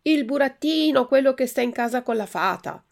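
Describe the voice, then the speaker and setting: A woman voicing an impatient puppet boy in a storybook reading, urgent and pleading, in a gravelly voice. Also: sits high, animated, moderate pace, pitched above the performer's own voice. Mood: eager.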